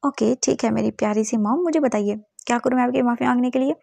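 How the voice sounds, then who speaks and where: A woman's voice: fairly high pitch, quick pace, vocal fry, warm tone, no echo. A woman doing an arrogant rich young man. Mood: coaxing. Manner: blunt, dismissive, mixes English words.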